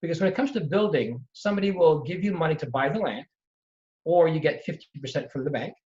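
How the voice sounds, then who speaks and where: A middle-aged man from Trinidad and Tobago, a real estate investor telling his story in an emphatic, animated way during a conversation. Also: a little high, fast talker. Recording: dull lo-fi audio.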